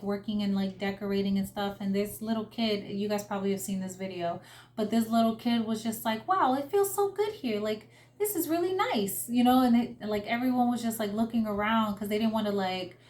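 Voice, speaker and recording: A woman's voice: mid-range voice, flat delivery, brisk, a little mellow, reverberant, slight background noise. A young adult woman giving a casual spoken tarot reading, earnest and emotional, with many fillers and restarts. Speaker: tarot reader.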